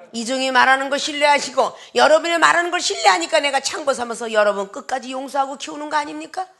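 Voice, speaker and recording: A woman pastor delivers a sermon with a somewhat high, gravelly voice. She preaches with strong emphasis and often acts out short bits of dialogue, sometimes rising to a shout.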